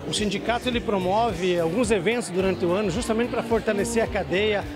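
A man's voice: high-pitched, fairly quick. A man in his thirties, a school director, speaking fluently and upbeat in an interview. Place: trade show. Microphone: handheld mic. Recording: clear music under speech.

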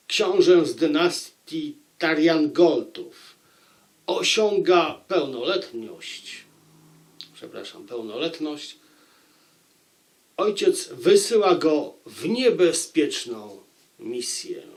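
A man talks to his viewers about a book in the manner of a storyteller. His delivery is unhurried, with deliberate pauses between phrases. The intonation swings widely, keeping the narration lively. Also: fairly high pitch. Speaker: book reviewer and audiobook narrator. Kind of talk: book review, addressing viewers.

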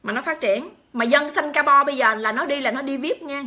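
A woman's voice: sits high, fairly quick, bright, forceful tone. A woman talking straight to her viewers. She keeps exclaiming and firing rhetorical questions at them. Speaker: vlogger addressing viewers. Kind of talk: emphatic monologue to camera.

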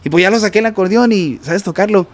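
A Mexican man with a voice pitched a little high tells a long story in a relaxed interview. He talks in an animated way, repeating words and sounding out notes with "ta ta". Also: fast, a little hiss or hum. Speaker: guest musician.

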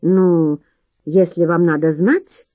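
A woman's voice: on the low side, steady tone, slow pace, dry recording, lo-fi sound. A woman voicing a defensive, bitter young man.

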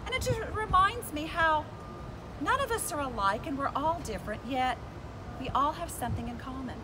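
A woman's voice: high voice, lively intonation, normal speed. An older woman hosting a story time, chatting casually to children outdoors from a little way off camera. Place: outdoors on steps by a building entrance. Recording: loud outdoor traffic and ambient noise.

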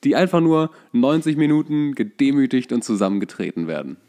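A man's voice: medium pitch, fairly quick, warm tone. Man, casual podcast chat. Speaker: podcast co-host.

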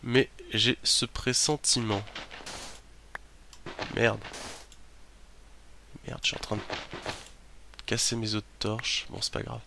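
A man giving chatty gameplay commentary as a let's play host, talking to himself and bursting into startled shouts and curses. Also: lowish voice, little pitch movement, slow pace, gravelly, pauses often, noisy background.

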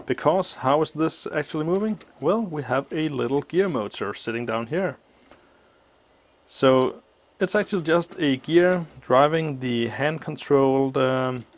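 A man explaining a teardown of an old appliance at a workshop bench, thinking aloud with many pauses, his voice slightly muffled by a mask. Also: mid-range voice. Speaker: electronics teardown host. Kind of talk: hands-on technical walkthrough.

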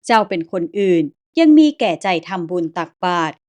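A woman voicing a kindly old grandmother ghost who speaks in calm, old-fashioned rustic words and reassures the listener. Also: on the low side, moderate pace. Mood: reassuring.

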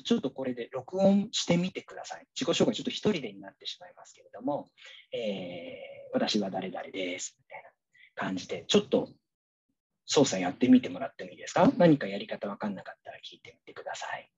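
A man's voice: mid-range voice, sing-song, a little fast, darkish tone, husky, muffled recording. A man teacher giving a casual, chatty online workshop, walking the audience through a demo with many fillers.

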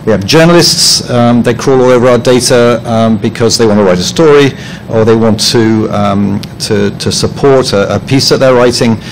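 A man's voice: mid-range voice, normal speed, a little hiss or hum, poor audio. A man presenting at a professional conference, speaking hesitantly with many ums and restarts, and slipping in dry, self-deprecating jokes. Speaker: conference presenter, head of publishing. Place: conference room.

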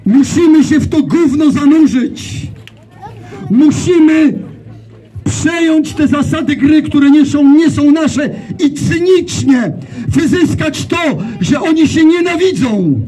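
High-pitched shouting Polish orator. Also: male voice, soft background music, rough recording. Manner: shouting, slow, emphatic declamation. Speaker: rally speaker. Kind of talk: fiery outdoor rally speech. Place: outdoor meadow gathering.

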